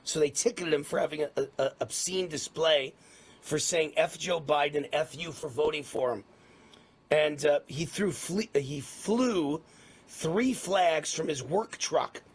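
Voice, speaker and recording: A man's voice: on the high side, unhurried, slightly rough. A middle-aged man from New York hosting a political talk show, ranting with fiery emphasis. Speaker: talk radio host.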